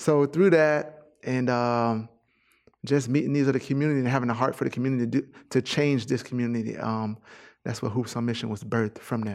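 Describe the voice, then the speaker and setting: With an American accent, a man speaks in an unremarkable speaking voice at medium pitch, fairly quick, with ordinary pitch variation. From Fort Myers, Florida. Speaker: nonprofit founder and basketball trainer. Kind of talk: interview.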